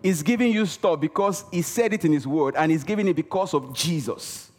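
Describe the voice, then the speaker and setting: Speaking fairly quickly in a fairly high pitch, a man preaches in a church hall where the recording rings with reverb. He hammers home key words through repetition and keeps asking the congregation for responses.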